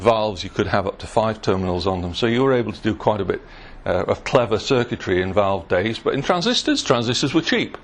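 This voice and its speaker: With a British accent, a man talks at a very fast pace in a fairly low pitch with ordinary pitch variation, over noticeable background noise. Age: 60s. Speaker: engineer giving a talk. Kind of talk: lecture. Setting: room with audience. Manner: halting, many fillers.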